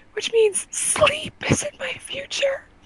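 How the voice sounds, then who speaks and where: Background noise is noticeable throughout. Over it, a woman talks. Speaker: podcast co-host. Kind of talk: casual banter podcast.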